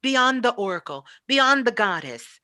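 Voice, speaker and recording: A woman's voice: a little high, big pitch swings, a little slow, pushed and bright, dry recording, clean studio sound. A woman giving a spiritual motivational talk, speaking emphatically and repeating phrases for effect. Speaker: spiritual teacher and show host, as guest.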